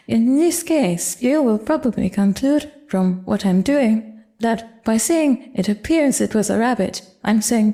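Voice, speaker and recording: An older woman explaining grammar in a measured, careful lecture. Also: on the high side, warm tone. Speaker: Japanese language teacher. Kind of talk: grammar lesson narration.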